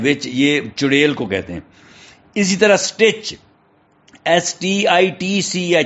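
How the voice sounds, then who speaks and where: Male teacher, Pakistani accent, spells words slowly, muffled lo-fi recording. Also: a little high, a bit bright. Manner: spells words letter by letter, checks in with "theek hai". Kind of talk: classroom lecture. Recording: dull lo-fi recording.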